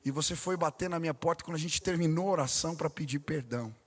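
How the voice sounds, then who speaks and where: A Brazilian man preaches a sermon, his voice sitting a little high for a man. He tells stories with lively delivery and asks the congregation questions. The sound rings with the long reverb of a large church hall. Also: fast. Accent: Brazilian Portuguese. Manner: animated storytelling with questions to the congregation. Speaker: pastor. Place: church sanctuary.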